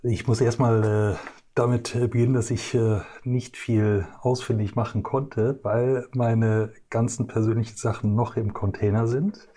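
A man's voice: medium pitch, fairly even intonation, warm tone. A man in his fifties from Belgium, answering interview questions as an executive guest, hesitantly feeling for his words. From Brussels region, Belgium. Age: 50s. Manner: hesitant, halting, feels for words.

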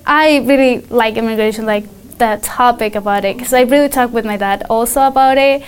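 A woman's voice: fairly high pitch, fairly quick, clean tone. A teenage girl from Mexico, a student debater, talking casually and hesitantly with many "like" fillers; Spanish is her first language. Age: teens. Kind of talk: casual interview answers.

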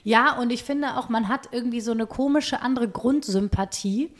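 A woman's voice: on the high side, moderate pace. A woman co-hosting a podcast in casual conversation at a home. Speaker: podcast co-host. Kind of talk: casual chat. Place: indoors at a home.

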